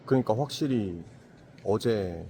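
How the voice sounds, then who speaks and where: Reflective low-voiced man talking outdoors. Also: measured pace, noisy background. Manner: reflective, acts out imagined villagers in lively voices. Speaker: Christian apologetics channel host. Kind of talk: casual travel conversation.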